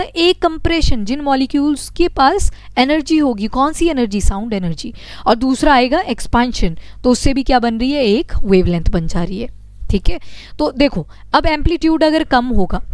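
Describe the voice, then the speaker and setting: Smooth-voiced woman teaching physics. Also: fairly high pitch, darkish tone, no room sound. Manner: explains step by step, asks and answers own questions. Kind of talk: exam-prep science lecture.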